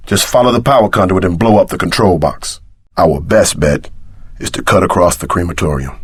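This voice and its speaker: An actor voicing a tough, brash ex-security chief with streetwise swagger and a gruff voice in a video game. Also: male voice, sits low, normal speed, no echo, clean studio sound. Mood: low, confiding.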